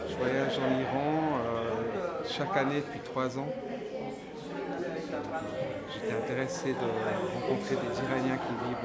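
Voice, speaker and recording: A man, a photographer attending an evening event, answering questions in a relaxed, plain way. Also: mid-range voice. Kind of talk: casual interview answers. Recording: echoey hall with loud crowd.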